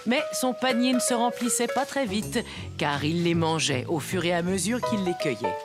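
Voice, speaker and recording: A woman narrating a preschool cartoon like a storybook, in a gentle, expressive storytelling manner. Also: lowish voice, moderate pace, natural voice. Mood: warm storytelling. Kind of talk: scripted children's story narration. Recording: music under the voice.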